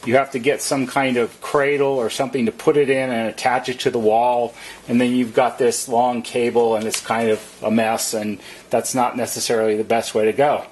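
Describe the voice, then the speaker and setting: A man's voice: medium pitch, flat delivery, moderate pace, darkish tone, slight background noise. A man who works as a service technician, giving an informal, plain-spoken product demonstration and explaining step by step.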